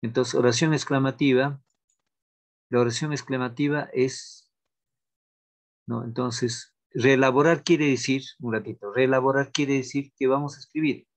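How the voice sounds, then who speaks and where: A man at an ordinary middle pitch teaches a grammar lesson online. He talks haltingly, fills gaps with hesitations, and slowly repeats his example sentences aloud. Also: fairly even intonation. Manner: halting, with many fillers and restarts. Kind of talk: online class explanation.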